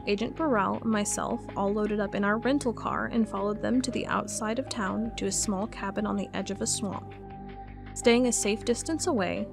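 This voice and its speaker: A woman's voice: mid-range voice, vocal fry, lightly acted. A woman playing an inquisitive FBI cold case agent in an audio drama. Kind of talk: audio drama acting, reading case files aloud.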